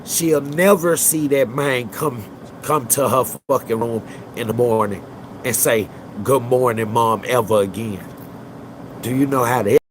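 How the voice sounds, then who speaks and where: A man's voice: medium pitch, unhurried, slight background noise, poor audio. A man hosting a livestream, talking bluntly and with lots of profanity in casual commentary. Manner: blunt, profane, emphatic street talk. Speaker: livestream host.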